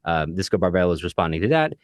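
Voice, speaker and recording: A man's voice: low-pitched, sing-song, rapid-fire, no room sound, clean studio sound. A man co-hosting a book discussion podcast in a casual, chatty style, sometimes reading aloud. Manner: reads listener comments aloud. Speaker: podcast co-host.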